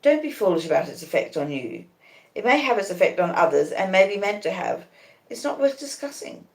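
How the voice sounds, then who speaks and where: A woman's voice: medium pitch, big pitch swings, fairly quick, roomy sound. A woman voicing a proud, aloof young society beauty with a dismissive manner in a story reading.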